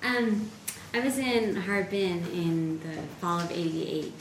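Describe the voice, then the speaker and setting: A woman in a seminar audience asking a thoughtful, measured question. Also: fairly low pitch, far from the mic. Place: seminar room. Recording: echoey room, off-mic, noticeable background noise.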